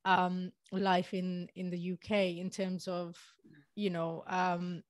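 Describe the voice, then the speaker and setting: A woman's voice: lowish voice, completely flat delivery, slow, no echo. A young adult woman from Pakistan, a motivational speaker telling her story in a chatty interview, laughing often and using many fillers. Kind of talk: conversational interview.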